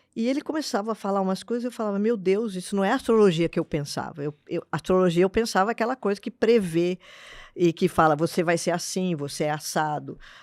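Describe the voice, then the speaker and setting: Using a normal speaking voice, a woman talks at medium pitch and a fairly quick pace with lively intonation. The recording is very clean and silent in the background, with a dry, close sound and no echo. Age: 60s. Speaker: philosophy of education scholar. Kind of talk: interview.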